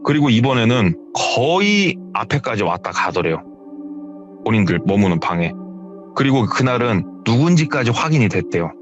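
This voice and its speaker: A man's voice: mid-range voice, moderate pace. A man retelling a listener's horror story, acting out the dialogue. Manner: animated, acts out dialogue. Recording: dull audio with background music.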